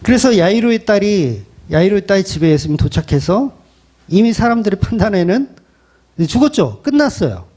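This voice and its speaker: A middle-aged male pastor preaching in a conversational way and posing rhetorical questions. His voice sits high and moves a lot in pitch, with a warm, mellow tone. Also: very animated, normal speed. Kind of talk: expository sermon.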